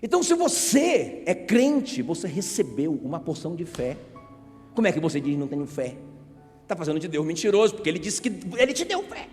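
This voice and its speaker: A man preaching a sermon as pastor, emphatic, asking the congregation rhetorical questions and calling on them to shout back. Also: on the high side. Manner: asks the crowd rhetorical questions. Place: church sanctuary. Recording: reverberant church hall.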